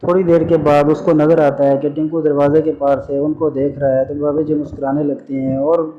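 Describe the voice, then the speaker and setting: A man's voice: a little high, level tone, a little fast, dull audio. A man narrating a story recap in a casual, chatty way, talking straight to his viewers as friends. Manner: chatty, addresses listeners as brothers and friends. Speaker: channel narrator.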